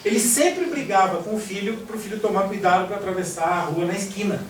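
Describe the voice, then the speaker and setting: A man's voice: high-pitched, brisk, slight background noise. A Brazilian man giving an informal talk, explaining points insistently and turning to the audience as he speaks. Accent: Brazilian Portuguese. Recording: echoey room from far off, audience present.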